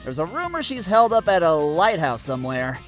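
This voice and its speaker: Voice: mid-range voice, sing-song, fairly quick, close to an everyday voice. A brooding boy rival from a parody cartoon , voiced by an actor, sullen and snappish. The delivery swings dramatically up and down, with faint music behind it. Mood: sullen, guarded. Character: surly, brooding, exasperated boy rival trainer. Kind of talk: fan parody cartoon dub acting.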